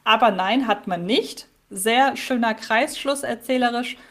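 A woman's voice: a little high, unhurried, fairly bright tone. A woman co-hosting a podcast, giving earnest opinions and thinking aloud in casual talk. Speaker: podcast co-host. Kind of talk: casual episode discussion.

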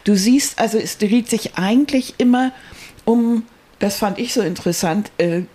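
A woman's voice: a little high, moderate pace, dark tone. A woman co-hosting a podcast, explaining ideas in a reflective way with many fillers and restarts. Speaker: podcast co-host. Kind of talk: casual conversational chat.

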